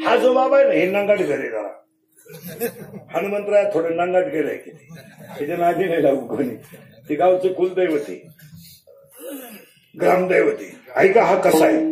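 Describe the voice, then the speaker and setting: Lively intonation runs through a man's high-pitched speech. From Maharashtra, India. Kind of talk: comedy kirtan sermon to a live audience. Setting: live gathering with audience and microphone. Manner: humorous, punchy, preachy with jokes and audience interaction.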